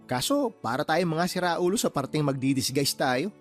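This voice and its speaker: A man acting a playful, teasing younger friend in a radio drama, boastful and quick to joke. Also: a little high, animated, faint music behind, natural voice. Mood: joking. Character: joking loyal younger male buddy, playful.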